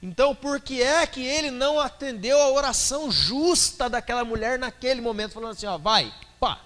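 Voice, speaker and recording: A male pastor with a Brazilian Portuguese accent preaches in a high, bright voice. His style is colloquial and lively, and he often slips into acting out dialogue. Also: fairly quick. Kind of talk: sermon.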